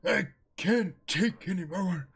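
Gravelly old Southern mayor. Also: male voice, sits high, slow pace, a bit bright, voice pushed up, exaggerated voice. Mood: defiant. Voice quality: strained, gravelly. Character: stubborn old male small-town mayor, fiercely protective.

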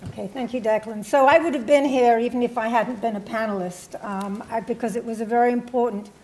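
An older woman from England recalls her student days as a panelist, her voice sitting a little high for a woman. She speaks in a reflective, measured way, pausing with ums and restarting her sentences. She sits at a panel in a university hall. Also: fairly even intonation, darkish tone. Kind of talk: personal recollection at a panel talk. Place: university hall with a seated audience.

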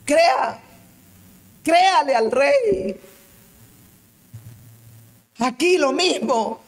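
Woman, evangelist, sermon, fervent and emotional, high voice, slow delivery. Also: animated. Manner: fervent, emotional preaching with tearful swells. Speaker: evangelist preacher.

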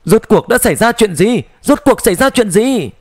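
A man voicing a grieving immortal hero who shouts with a trembling voice into an empty void. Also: high voice, animated, normal speed, no room sound, studio quality. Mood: desperate.

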